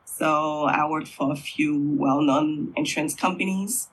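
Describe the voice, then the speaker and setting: A middle-aged man from Haiti, a Creole language teacher, answering interview questions in an unhurried, thoughtful way with frequent fillers. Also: on the high side, a bit bright, slightly rough, rough recording.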